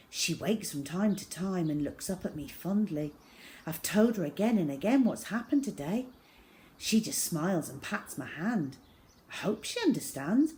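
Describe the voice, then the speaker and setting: Expressive woman reading a story aloud. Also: fairly low pitch, a little hiss or hum. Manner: dramatic, measured, acts out the feeling. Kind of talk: expressive first-person audiobook-style story reading.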